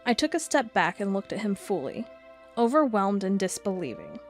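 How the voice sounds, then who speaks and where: Intense monster investigator gal, expressive audio drama delivery, faint music behind. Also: female voice, mid-range voice. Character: driven female cryptid investigator, sardonic, intense, stubborn. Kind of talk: audio drama narration and dialogue.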